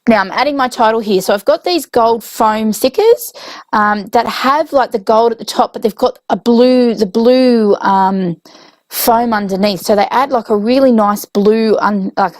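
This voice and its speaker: A woman with a young child, hoarse from illness, casually narrating her scrapbook process with lots of ums and self-corrections. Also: fairly high pitch, a little slow, no room sound. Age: adult with a young child. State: hoarse, voice coming and going from illness. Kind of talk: casual voice-over narration of a craft video.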